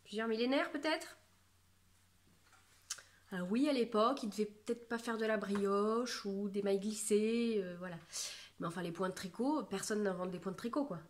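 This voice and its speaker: A woman's voice: mid-range voice, normal speed. A woman in her thirties from France, chatting casually to camera about her knitting, rambling and self-mocking with lots of fillers. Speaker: knitting vlogger.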